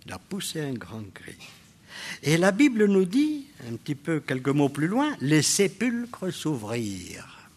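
An older man preaching a sermon, addressing the congregation with rhetorical questions, swinging between loud exclamations and quiet asides. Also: fairly high pitch, wildly swooping pitch, measured pace, husky.

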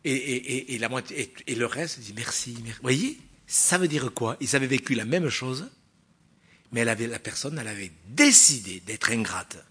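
A man preaching a sermon in a church, emphatic, swinging from loud stresses to quiet asides and asking the congregation rhetorical questions. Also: mid-range voice, animated, moderate pace, husky.

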